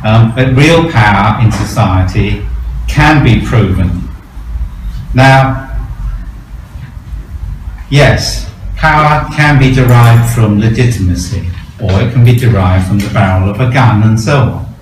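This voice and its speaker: A man's voice: mid-range voice, measured pace, a little hiss or hum. A man on a seminar panel debating, firm and argumentative, with many ums and restarts. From Thailand. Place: seminar hall. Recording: echoey hall, far from mic.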